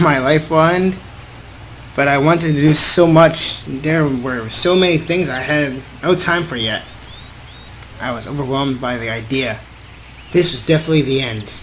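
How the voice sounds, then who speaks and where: A man with a slightly high voice plays host on a gaming video, reading visual novel text aloud. His delivery is informal and a bit halting, breaking off for casual remarks of his own. There is noise behind the voice. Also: a bit bright. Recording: clearly audible background noise.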